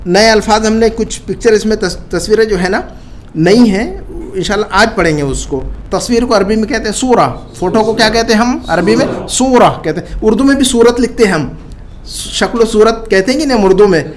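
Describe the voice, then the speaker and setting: A man teaching an Arabic class to Urdu speakers, drilling words by repetition and stressing careful pronunciation. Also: high-pitched. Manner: repeats phrases slowly and stresses pronunciation.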